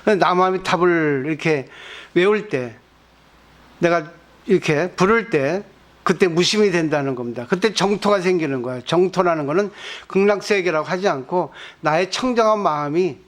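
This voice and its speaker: A Buddhist monk giving a sermon at a weekend temple service, teaching conversationally and often putting rhetorical questions to the listeners. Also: male voice, high voice, lively intonation, normal speed.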